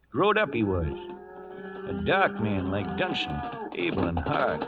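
An actor playing a crusty, loyal old cowhand in a radio western, with a folksy American Western drawl and mumbling, toothless speech. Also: male voice, mid-range voice. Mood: folksy reminiscing. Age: older. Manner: folksy, rustic, cantankerous. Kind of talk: 1940s radio western acting. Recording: dull vintage radio recording, faint music.

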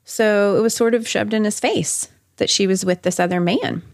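A woman's voice: mid-range voice, normal speed, no echo. Woman telling true-crime stories, close dry sound. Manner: chatty asides amid narration. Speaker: podcast host. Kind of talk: conversational true-crime storytelling.

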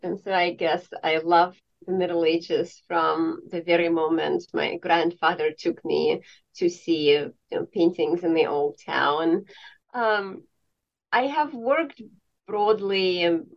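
Woman from estonia, academic guest chatting, lowish voice, kinda muffled lo-fi audio. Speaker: art history professor, interview guest. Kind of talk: conversational interview. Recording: dull, lo-fi connection.

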